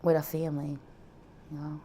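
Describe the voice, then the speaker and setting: A woman's voice: sits low, little pitch movement, moderate pace, mellow, a little hiss or hum. A woman in her thirties with a Boston accent, speaking matter-of-factly in an interview. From South Boston, Massachusetts. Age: 30s.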